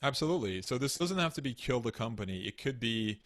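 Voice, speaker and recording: A man in his thirties from Turkey, explaining ideas in measured, earnest interview answers over a video call. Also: medium pitch, lively intonation, a bit bright. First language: Turkish. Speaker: guest author. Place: home room, indoors. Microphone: studio mic on stand, video call.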